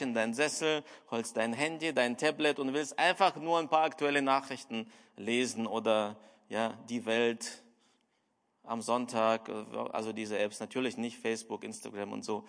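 A middle-aged man preaching a sermon, telling a story and speaking straight to the listener, with wide swings in loudness and pitch. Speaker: pastor. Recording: long hall reverb.

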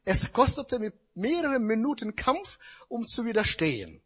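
A man's voice: very high-pitched, sing-song, moderate pace, breathy edge. A man preaching a sermon, speaking emphatically and addressing the congregation directly.

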